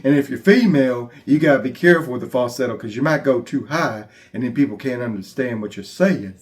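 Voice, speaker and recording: A man's voice: mid-range voice, a little fast, natural voice. A man voicing a mild, helpful, slightly dopey monkey puppet with a Southern US accent. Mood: earnest.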